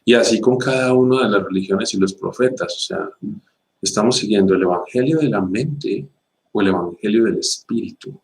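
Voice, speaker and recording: A man with a fairly low voice delivers a spiritual teaching. He speaks emphatically and rhetorically, piling up repeated phrases, and turns slow and calm when he guides a meditation. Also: gravelly, slight background noise, low-quality recording.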